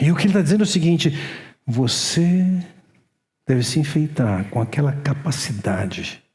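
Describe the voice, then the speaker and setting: A man's somewhat breathy voice, fairly high in pitch, with lively intonation, very even loudness, a moderate pace and long, frequent pauses. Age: 60s. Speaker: pastor. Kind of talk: sermon.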